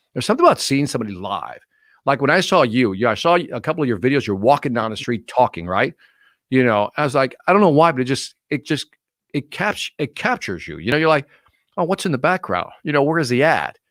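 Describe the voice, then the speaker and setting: With an American accent and vocal fry, a man talks at a very fast pace in very wide pitch swings, on a very clean, dry, close recording with a silent background and no echo. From Chicago, US. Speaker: motivational sales speaker. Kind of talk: podcast interview.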